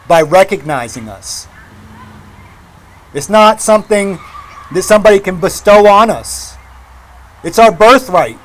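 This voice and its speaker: High-pitched man giving an emphatic rally speech. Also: rough recording. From Mashpee, Massachusetts, United States. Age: 40s. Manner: emphatic, deliberate repetition. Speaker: rally speaker. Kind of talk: impassioned public speech at a rally. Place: outdoor rally.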